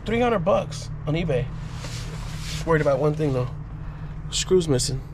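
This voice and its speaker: A man in his thirties vlogging outdoors at a storage lot, joking and excited as he digs through bins. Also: fairly high pitch, a little slow, noisy background. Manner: excitable, joking, talks to camera. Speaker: storage unit buyer. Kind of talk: casual vlog while unboxing. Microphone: camera mic, handheld close.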